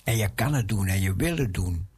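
A man preaching a sermon in a halting way, often repeating his phrases. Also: on the low side, lively intonation, darkish tone, slightly rough.

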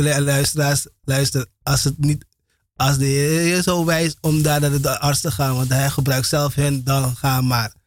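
A man on Christian radio giving a fervent, halting testimony full of restarts and laughter. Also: fairly high pitch, dry recording. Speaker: radio host. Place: radio studio.

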